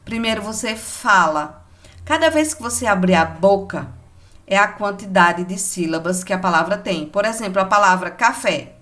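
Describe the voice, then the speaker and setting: A woman's voice: mid-range voice, expressive, moderate pace, fairly bright tone. A woman teacher with a Brazilian Portuguese accent, patiently giving a remote lesson to children and explaining each step in an affectionate way.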